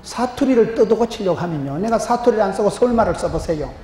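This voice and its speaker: A middle-aged man with a strong Gyeongsang dialect, preaching an animated, humorous sermon, often dropping low for punchlines. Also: quick pace. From Gyeongsangbuk-do, Korea. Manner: emphatic, humorous, gestures a lot, drops to low punchlines. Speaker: pastor. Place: large church stage with chalkboard. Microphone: handheld microphone. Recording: roomy hall reverb, faint noise.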